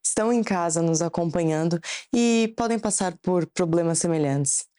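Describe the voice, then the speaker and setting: A woman, gently asking interview questions. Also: on the low side, moderate pace.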